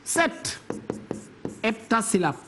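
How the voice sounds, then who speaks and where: Slow, deliberate woman teaching poetry. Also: a little high, sing-song, fairly bright tone, slight background noise. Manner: slow, deliberate counting of syllables. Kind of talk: televised French literature lesson.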